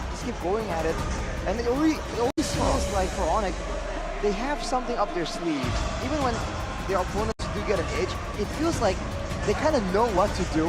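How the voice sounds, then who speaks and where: A man hosts an esports desk in a high voice, fluently steering the talk and quizzing the panel. Loud music plays under him. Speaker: esports caster.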